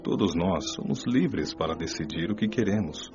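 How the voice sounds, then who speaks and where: Calm guy explaining patiently an actor, lowish voice, guitar playing behind, audio drama. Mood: calm teaching. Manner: measured, instructive. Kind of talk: audiobook radio drama acting. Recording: dull audio with clear guitar music.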